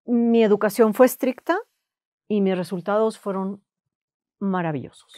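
Guest, woman, calm and measured, close dry mic. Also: medium pitch, no room sound. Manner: calm, measured, avoids swearing. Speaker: guest, therapist. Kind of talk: casual conversation.

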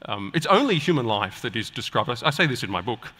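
Bright-voiced male preacher in an echoing hall. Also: mid-range voice, very animated. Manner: emphatic, deliberate rhetorical delivery with pauses. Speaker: preacher and guest speaker at a church conference. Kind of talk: sermon to a live audience. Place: large indoor auditorium, speaking on stage. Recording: echoey large hall with long reverb.

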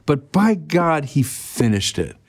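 An older man in his sixties delivers a sermon in a lively, chatty way. His pitch rises and falls freely as he speaks straight to the listeners. A close lapel mic in a quiet indoor studio picks him up. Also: slow pace. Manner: animated, conversational preaching with direct appeals. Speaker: bishop.

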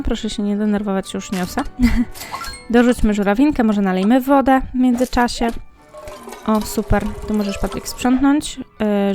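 A woman's voice: mid-range voice, a little mellow. A young woman casually commenting on a game she plays, chatting to the characters and viewers as she goes. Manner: chatty, talks to the game characters while playing. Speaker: gaming vlogger. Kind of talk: casual let's-play commentary. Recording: faint game music behind.

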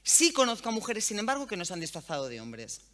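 A fast-talking woman, a journalist and radio host, gives a lively public talk in an event hall. Her delivery is candid, slangy and animated, with plenty of swearing, and her bright tone and energetically leaping pitch mark her as a seasoned radio host.

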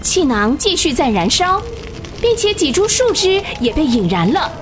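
A woman narrating a children's radio drama with expressive, vivid storytelling. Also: high-pitched, moderate pace, music in the background.

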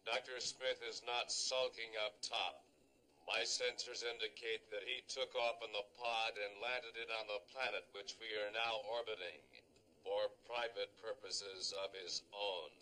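A man voicing a dutiful robot in a 1960s TV series, with a smooth, even machine voice and precise, matter-of-fact statements. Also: fairly low pitch, a little slow, low-quality recording. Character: dutiful male robot, calm and literal.

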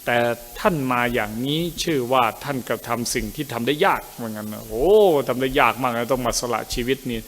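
A male Dharma teacher reads scripture aloud, sounding out the Pali words haltingly, correcting himself and adding chatty asides. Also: medium pitch, in a large hall, a little hiss or hum. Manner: chatty asides ending in gentle particles. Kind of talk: reading scripture aloud with commentary.

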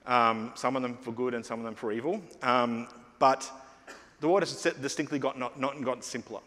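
A man's voice: mid-range voice, a bit bright. A middle-aged man giving a conference keynote on stage, talking conversationally with frequent fillers and restarts. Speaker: keynote speaker. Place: large conference hall stage. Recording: long hall reverb.

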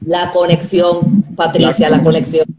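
A woman hosting a casual live video chat from home on a phone, animated, with many fillers. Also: on the low side, a little slow, a crowd in the background. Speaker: host.

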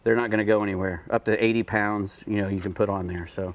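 A middle-aged man with a fairly low voice chats through a product showcase on a fishing show. He is folksy and unscripted, often halting and repeating himself as he goes. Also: steady tone. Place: indoor TV studio set.

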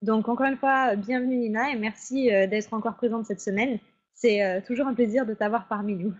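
A woman's voice: fairly high pitch, steady tone, brisk. A woman facilitating an online webinar, going through the rules in an orderly way with frequent fillers. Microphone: video call. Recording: lo-fi webinar audio.

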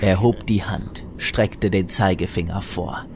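A man's voice: low voice, fairly even intonation, measured pace, gravelly, crowd noise. A man narrating a scripted comic story in a wry, tongue-in-cheek manner.

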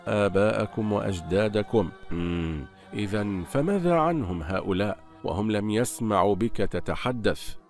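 A man's voice: fairly low pitch, expressive, moderate pace, darkish tone, faint music behind. A man voicing an arrogant, mocking tyrant king in a retold religious story, with a scornful, taunting delivery.

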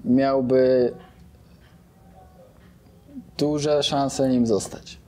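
A young man answers slowly and carefully, choosing diplomatic words. His voice is mellow and dark, with an unhurried, measured delivery in a quiet lounge. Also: mid-range voice, steady tone, soft background music. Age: young adult. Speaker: footballer guest. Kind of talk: casual interview answers. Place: lounge in a large building.

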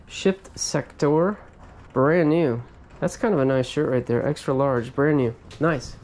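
A man talks his way through a packed storage unit, thinking aloud with frequent hmms and small laughs. His voice sits at a middle pitch. Steady background noise fills the metal space around his head-mounted camera. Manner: musing aloud, lots of hmms and little laughs. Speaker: storage locker reseller host. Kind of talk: casual unboxing commentary.

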